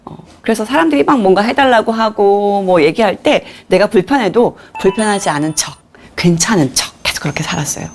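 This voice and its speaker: A woman's voice: on the low side, slight background noise. A woman in her forties, a lecturer, telling her own story candidly in a talk and acting out the voices she quotes. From Korea. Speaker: lecturer on nonviolent communication. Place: lecture hall.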